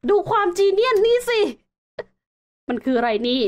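A woman's voice: very high-pitched, big pitch swings, moderate pace, slight background noise. A young woman hosting a survival game video, chatting to viewers and exclaiming as she explores. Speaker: game host. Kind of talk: casual Let's Play commentary.

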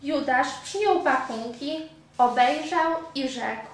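A woman narrating a story in a steady, even reading voice. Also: high-pitched, takes it slowly. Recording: very echoey room, far from mic.

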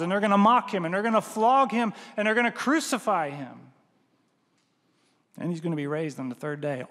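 A man in his thirties delivers an animated sermon as pastor, his voice pitched notably high for a man. He talks on a headset mic, often checking in with "right?", and the sound hangs in a long reverb from the large church hall. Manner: animated, gestures broadly, often adds "right?".

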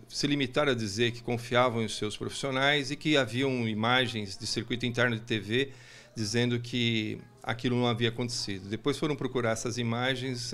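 A man's voice: mid-range voice, fairly bright tone. A man, a lawyer, giving a formal interview statement with legal phrasing and occasional restarts.

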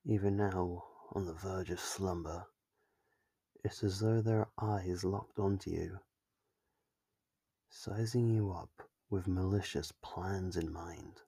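Low, slow, gravelly man narrating. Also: steady tone, dark tone, no room sound. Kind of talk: second-person ASMR horror story narration.

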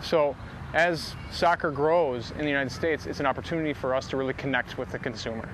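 A man representing a company, interviewed outdoors at a sports field on a lapel mic, speaking haltingly with many restarts. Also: medium pitch. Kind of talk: on-camera interview. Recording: outdoor interview with clear noise behind.

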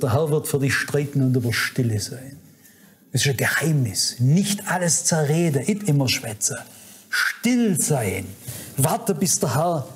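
A man delivers a sermon in a conference hall, fervently admonishing his audience and speaking straight to them. His voice is on the high side with a darkish tone.

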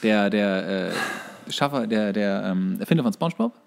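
A man's voice: lowish voice, lively intonation, normal speed, creaky, a little mellow, smooth. A man, a podcast co-host, chatting casually with wry, teasing remarks. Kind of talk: casual comedic chat.

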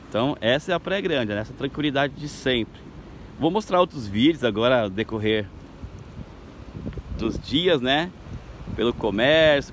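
A man working as a tour guide, chatting upbeat and casual as he films a walk along a beach promenade on his phone. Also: mid-range voice. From Brazil. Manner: chatty, upbeat, tags phrases with questions. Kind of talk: casual walking vlog. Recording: outdoor street and beach noise.

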